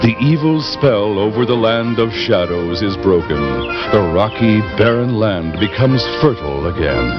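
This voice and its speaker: A man's voice: fairly low pitch, animated, measured pace, hardly any pauses. A man narrating a cartoon adventure in a dramatic, scripted style. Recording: lo-fi audio under loud music.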